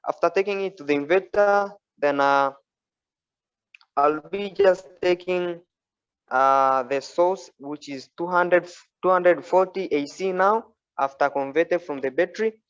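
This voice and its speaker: A man's voice: high-pitched, unhurried, smooth. A young man from Tanzania presents and demonstrates his own project in a workshop, speaking plainly with frequent fillers, recorded on a phone. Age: young adult. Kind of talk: informal project presentation and demo. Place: workshop with wooden benches, indoors. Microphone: phone camera held at arm's length, wearing headphones. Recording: dull lo-fi phone audio.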